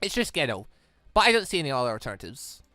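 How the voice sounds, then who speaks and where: A man hosting a let's play, reading visual novel dialogue aloud in an animated way and reacting excitedly as he goes. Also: mid-range voice, quick pace, no room sound, soft background music. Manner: animated, stumbles while reading and exclaims at the story.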